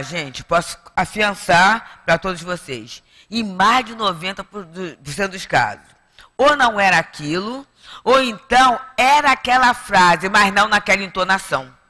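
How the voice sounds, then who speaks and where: A woman with a Brazilian Portuguese accent gives a spiritist lecture to an audience in a large hall at a spiritist center. She speaks chattily and conversationally, using many tag questions. Her voice is mid-range with a sharp tone.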